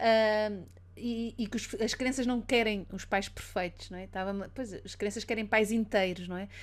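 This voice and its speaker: Her voice is a plain, everyday voice, fairly high in pitch, at a moderate pace. The woman's intonation is fairly even while her loudness swings widely, on a very clean recording with a silent background. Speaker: podcast host. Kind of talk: interview conversation.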